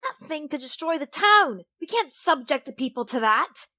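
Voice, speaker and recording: Woman playing a lively-pitched female robot. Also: moderate pace, heavily acted. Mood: concerned. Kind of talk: audio drama character acting.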